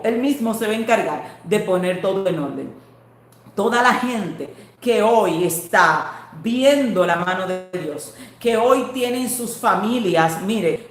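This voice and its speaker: A woman's voice: fairly high pitch, reverberant. A woman in her forties, a pastor, preaching a sermon with emotional storytelling and urging her listeners on. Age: 40s.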